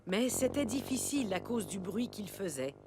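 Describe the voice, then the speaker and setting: A woman playing a gentle, amused storyteller narrating a French children's cartoon. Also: mid-range voice, big pitch swings, moderate pace, lightly acted. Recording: loud music behind the voice.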